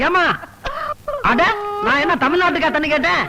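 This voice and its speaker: A cheeky, nosy comic sidekick. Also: male voice, very high-pitched, moderate pace, background noise. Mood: teasing. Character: cheeky comic young man, teasing and nosy. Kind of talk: 1990s Tamil film comedy.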